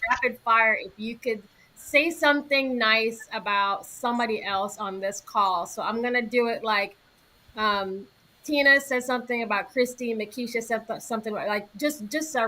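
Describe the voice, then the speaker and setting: A woman's voice: mid-range voice, sharp tone, low-quality recording. A woman moderating a live panel on a video call, upbeat and encouraging.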